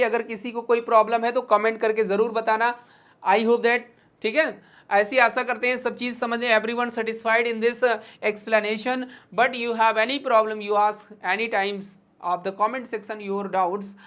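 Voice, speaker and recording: Speaking in a fairly high, fairly bright voice, an Indian-accented woman leads an online exam-prep lesson. She code-switches between Hindi and English, calls her students "beta," and slowly recites English verse with a rhythmic lilt.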